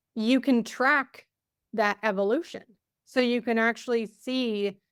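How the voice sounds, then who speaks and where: In a very clean recording with a silent background, a woman speaks at a fairly slow pace with a fairly high pitch. She has a plain, everyday voice, with fairly even intonation and very even loudness. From Canada. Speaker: brand voice specialist. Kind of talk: interview conversation.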